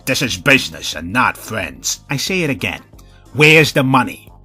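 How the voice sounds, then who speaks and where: Male actor as comic-story mob boss: blustering, menacing, very sharp tone, swinging pitch, broken English, music behind. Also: big pitch swings, moderate pace, slightly rough, heavily acted. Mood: enraged.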